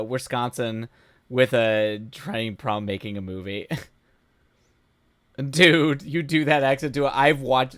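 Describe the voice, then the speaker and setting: A man hosting a casual live stream, rambling with halting restarts and laughing often, his voice starting to go hoarse. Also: on the low side, fairly bright tone, no echo. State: voice going hoarse. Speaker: streamer host.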